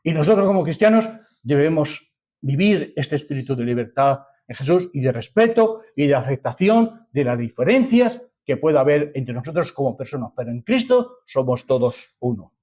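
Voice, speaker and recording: Reading and expounding scripture for his congregation, this Spanish-accented man delivers an emphatic sermon full of repetition and rhetorical questions. His fairly high voice swings widely in pitch, sounds a little mellow, and keeps a moderate pace, while the recording's highs are cut off.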